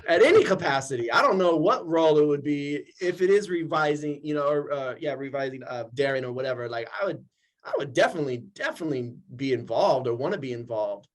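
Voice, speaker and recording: A man in his forties, a guest actor in a casual interview, talking with eager, animated energy and frequent laughter. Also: on the high side, fast talker. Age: 40s. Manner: excitable and animated, laughs often.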